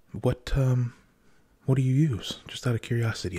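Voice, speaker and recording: Somewhat breathy male voice at a moderate pace, with a dry sound with no echo. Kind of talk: casual role-play chat. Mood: calm, hesitant, polite. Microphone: webcam.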